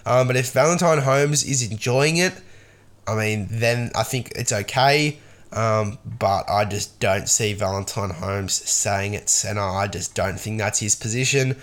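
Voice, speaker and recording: A man's voice: on the low side, measured pace, fairly bright tone. A man with an Australian accent hosting a solo sports news podcast, talking casually and with strong opinions, his voice nasal and congested from a cold. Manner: casual, opinionated, many ums and restarts. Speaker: podcast host.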